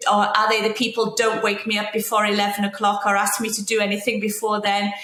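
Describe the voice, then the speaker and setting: A woman with an English accent at fairly high pitch, very fast and monotone with flat intonation, amid noticeable background noise and audible room echo. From England. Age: 50s. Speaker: travel company founder. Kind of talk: podcast interview.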